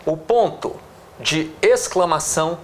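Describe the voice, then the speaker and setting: This Brazilian Portuguese-accented man gives a classroom lesson on punctuation, his voice on the high side and slow, with slight background noise. He goes step by step, drawing out words as he writes on the board, and regularly checks in with "tá?" and "né?".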